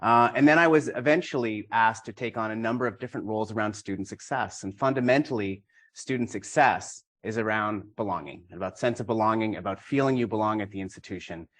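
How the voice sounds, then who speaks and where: Measured lower-voiced academic man. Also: fairly bright tone. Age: middle-aged. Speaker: university administrator presenting. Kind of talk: conference talk.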